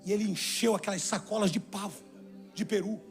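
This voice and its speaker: A man preaches from a church stage and tells a story. His voice sits very high for a man and has a gravelly edge. He acts out the people in the story as he goes. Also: fairly quick, faint music behind. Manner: animated storyteller, acts out shouted quotes. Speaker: pastor. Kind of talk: sermon storytelling.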